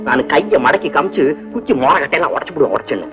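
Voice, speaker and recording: An actor playing a naive, boastful village cowherd in a 1960s film, speaking in rustic colloquial talk. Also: male voice, a little high, sing-song, very fast. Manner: rustic colloquial speech, comic boasting, exclaiming. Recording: dull old film soundtrack with music.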